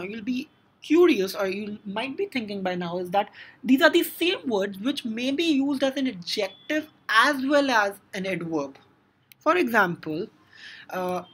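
Indian english woman teaching grammar, bit high, husky, lots of "now" and "so". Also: a bit bright. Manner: explains step by step with many "now" and "so" fillers. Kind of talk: classroom grammar lesson.

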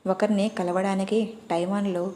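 A woman's voice: mid-range voice, little pitch movement, moderate pace, warm tone, a little hiss or hum, natural voice. A woman playing a cheeky eighteen-year-old girl. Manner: playful, pleading. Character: cheeky runaway girl of eighteen, quick fibber.

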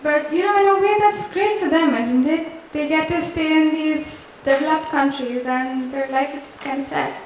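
A young woman plays a patronizing stranger who keeps pressing with breezy, condescending questions. Her voice sits high and carries through a big wooden hall. The mic catches it from some distance, with lots of room echo. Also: normal speed, hardly any pauses, slight background noise, lightly acted. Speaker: performer in a staged dialogue. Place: large wooden-walled hall. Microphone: handheld mic. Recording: roomy hall sound from a distance.

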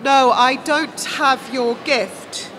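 A woman voicing a grave, grieving queen, measured, deliberate and coolly intent, in an audiobook. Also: fairly high pitch, lively intonation, sharp tone, long reverb tail, a little hiss or hum, heavily acted, poor audio. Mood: solemn, knowing. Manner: slow, deliberate.

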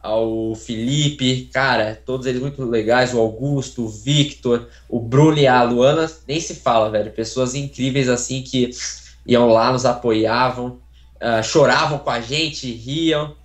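A man's voice: medium pitch, fairly even intonation, measured pace, reverberant. A young man from Brazil talking casually on a video call from a small room at home, grateful and rambling with many fillers and restarts. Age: young adult. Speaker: interviewee, voice acting contestant. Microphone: phone camera, video call.

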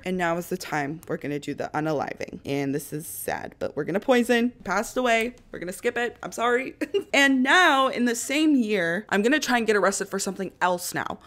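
A young woman with a raspy voice, still recovering from a cough, chatting through a mobile game walkthrough as a gaming channel host. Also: mid-range voice, fairly bright tone. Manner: chatty, upbeat, narrates each step. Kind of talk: casual game walkthrough commentary.

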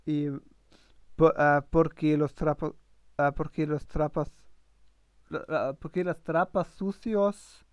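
A man live-streaming his language practice, speaking haltingly with constant fillers and restarts. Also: a little high, steady tone, smooth, dry recording, highs cut off.

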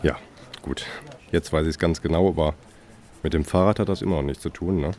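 An actor playing a weary police emergency dispatcher, dry and sarcastic. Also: male voice, extremely low pitch, brisk, darkish tone. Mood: sardonic. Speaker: police emergency call operator. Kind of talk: radio play with narration.

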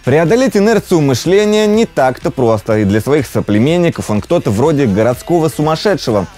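A man's voice: on the high side, very animated, brisk, darkish tone, soft background music. A man in his thirties presenting a scripted film review with a playful, ironic manner.

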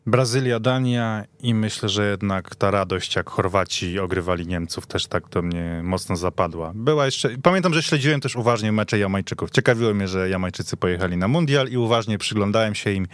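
A man's voice: fairly low pitch, fairly quick, hardly any pauses, smooth, dry recording. A man speaking informally as a guest pundit in a sports discussion. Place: radio studio.

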